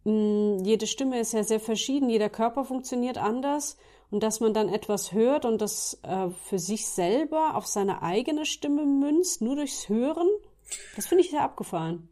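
A woman's voice: on the high side, expressive, moderate pace, dark tone. A woman interviewing a singer, speaking thoughtfully with small hesitations as she explains her ideas. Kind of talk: conversational interview.

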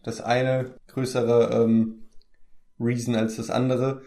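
A man's voice: medium pitch, little pitch movement, slow pace, warm tone. A young man, an actor from the Palatinate in Germany, chatting casually in an interview, easygoing and full of hesitant fillers and restarts.

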